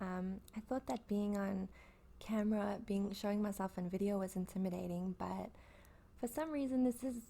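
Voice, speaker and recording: Somewhat breathy and dark, mellow in tone, a woman talks at a moderate pace and medium pitch. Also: ordinary pitch variation. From South Africa. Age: 30s. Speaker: podcaster. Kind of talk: personal storytelling, casual chat. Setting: at home on couch, on camera. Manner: hesitant, many fillers.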